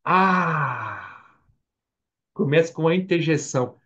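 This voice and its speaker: Brazilian male preacher, higher-pitched voice, sermon full of questions put to the listeners and then answered, muffled lo-fi audio. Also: moderate pace. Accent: Brazilian Portuguese. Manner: animated, asks the congregation questions and answers them. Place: church or online meeting.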